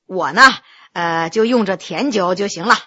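A woman's voice: mid-range voice, moderate pace, pushed and bright, slightly rough, muffled recording, pitched below the performer's own voice. A woman voicing a gracious, generous middle-aged nobleman who talks in an easygoing way with filler sounds. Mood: genial.

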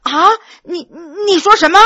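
A woman's voice: high voice, very animated, measured pace, bright, forceful tone, dry recording, highs cut off, exaggerated voice. A woman voicing a dazed, self-important newly crowned male top scholar who rambles. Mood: startled.

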